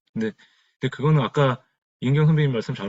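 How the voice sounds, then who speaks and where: This man's voice is somewhat breathy. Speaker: writing instructor. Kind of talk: online writing class. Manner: blunt, curt tone.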